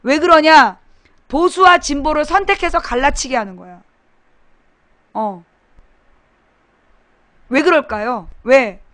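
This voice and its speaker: High-pitched woman ranting casually to her webcast chat, blunt, keeps asking rhetorical questions, dry close mic. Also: takes it slowly, long pauses, a bit bright, dry recording. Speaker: host of a political talk webcast. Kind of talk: casual political commentary to a live chat audience.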